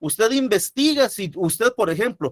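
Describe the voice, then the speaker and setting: A man at a fairly slow pace, very wide pitch swings, dry close sound with no echo. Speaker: university law lecturer. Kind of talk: lecture.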